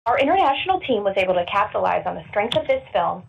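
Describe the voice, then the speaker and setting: A woman's voice: mid-range voice, sing-song, fast, gravelly, breathy edge. A woman reading a scripted earnings report as a finance executive, formal and businesslike, in distant, slightly dull conference-call audio.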